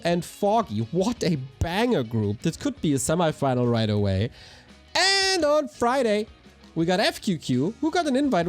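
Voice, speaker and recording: A man with a hoarse voice, casting a live strategy game match in an energetic, chatty way while thanking viewers. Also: high voice. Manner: energetic, chatty, talks to chat. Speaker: esports caster. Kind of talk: live game commentary with chat shout-outs.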